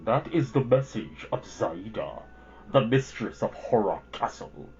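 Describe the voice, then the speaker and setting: A cold, metallic armored giant played by a man delivers a proclamation slowly and formally. The voice is shifted down into a low register, and the recording is a little dull. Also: animated, a little mellow, faint music behind.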